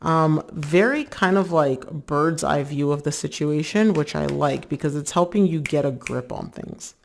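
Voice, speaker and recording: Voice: mid-range voice, a little slow, vocal fry. A tarot reader giving a casual reading to viewers, chatty and full of filler words, who often acts out the listener's inner thoughts.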